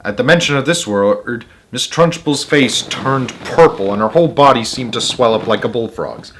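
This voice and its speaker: A man's voice: medium pitch, moderate pace, fairly bright tone, slight background noise. A man narrating a children's storybook aloud in an informal read-aloud style.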